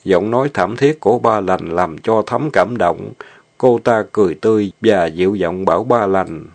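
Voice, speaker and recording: Male story reader, steady narration, low voice. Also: normal speed, creaky. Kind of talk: dramatic story reading.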